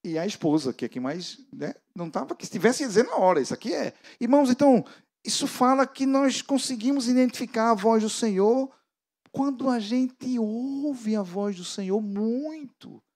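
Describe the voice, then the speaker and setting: A Brazilian man preaching a sermon as pastor to a church gathering, emphatic and swinging between loud exhortation and hushed prayer. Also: extremely high pitch, animated, normal speed.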